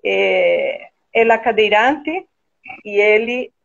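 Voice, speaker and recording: A woman with an Argentine Spanish accent, a guest architect speaking slowly and hesitantly with many fillers in a casual conversation. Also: mid-range voice, animated, gravelly, dull audio. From Argentina (Buenos Aires), born in Brazil. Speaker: guest, architect and interior designer.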